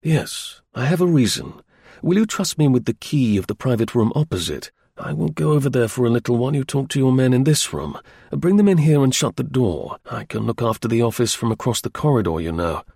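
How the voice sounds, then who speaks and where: A man voicing a calm, probing investigator in a storybook, with a measured, inquisitive and businesslike manner. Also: mid-range voice, creaky, husky, no room sound, clean studio sound. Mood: brisk.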